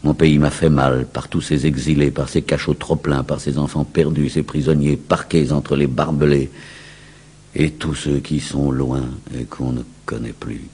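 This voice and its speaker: A man reciting verse in a grave, declamatory, solemn dramatic style with a husky voice. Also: a bass voice, steady tone, measured pace, a little mellow. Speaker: poetry reciter.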